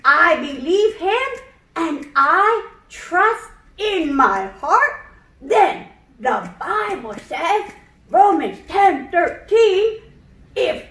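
A woman's voice: extremely high pitch, fairly bright tone, full character voice. A woman voicing an elderly puppet teacher who explains things patiently and earnestly, in an emphatic preacherly way, for a children's puppet show. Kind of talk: children's puppet show, scripted Bible lesson. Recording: roomy echo, distant microphone.

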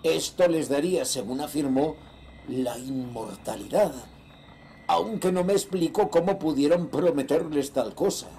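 A ruthless nineteenth-century sea merchant acted by a man dictates his journal in an audio horror drama. The voice is fairly high for a male and soft-edged, with a gravelly creak. The delivery is solemn, measured and theatrical, greed running underneath. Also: slight background noise. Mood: grimly fascinated. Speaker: voice actor in an audio horror series.

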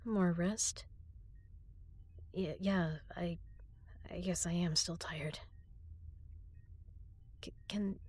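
A young woman performing an intimate audio drama as a frightened prisoner, speaking softly and often in a whisper. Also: lowish voice. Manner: soft, breathy, often whispered.

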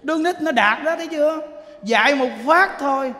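A man preaching a sermon, emphatic and full of rhetorical questions, dropping to soft chanted recitations. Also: extremely high pitch, normal speed. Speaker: Buddhist monk preacher. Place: temple hall. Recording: echoey hall reverb.

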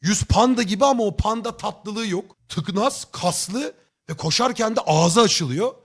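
A man's voice: high voice, unhurried. A man livestreaming from home, telling a story in a casual, blunt way, with swearing and comic exaggeration. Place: home streaming setup.

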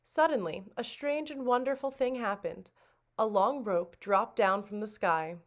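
A woman narrates a children's tale at a medium pitch. Her storytelling is expressive and dramatic, in the manner of a children's librarian reading aloud. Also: unhurried.

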